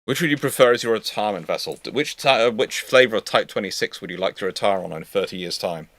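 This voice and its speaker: A man hosting a casual live panel chat, reading out questions in a halting, stammering way that often repeats words. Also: on the low side, fairly bright tone, no room sound.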